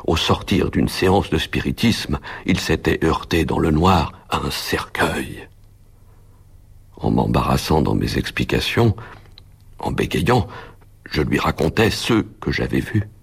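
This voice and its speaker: A man reads a story aloud in measured audiobook narration. His voice sits extremely low and gravelly, with a deep fry in the tone. The sound is heavily husky and breathy throughout.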